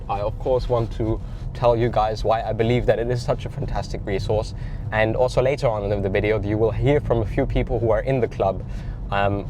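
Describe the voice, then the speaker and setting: A man's voice: mid-range voice, darkish tone. A man, talking casually in a car, his voice nasal from a cold, with many ums and uhs. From Germany. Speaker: tinnitus coach. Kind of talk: casual vlog while driving. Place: in a car while driving. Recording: faint car noise behind.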